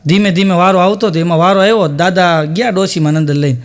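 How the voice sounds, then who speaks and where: A man with a high, light voice tells stand-up jokes. He talks in a folksy, storytelling way and slips into the voices of the village characters in his stories. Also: steady tone, fast talker. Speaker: comedian. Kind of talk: stand-up joke telling.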